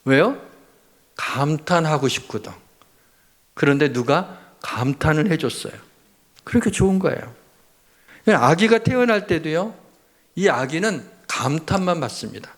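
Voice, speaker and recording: A man pastor preaching a sermon in a conversational, animated way, acting out the voices he quotes. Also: fairly high pitch, measured pace, long pauses.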